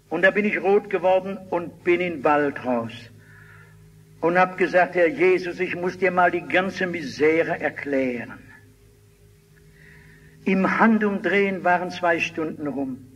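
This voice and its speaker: Older preacher guy, husky high voice, slow and lively, acts out the stories. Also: low-quality recording. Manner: animated storytelling, shouting out quoted cries. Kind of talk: sermon.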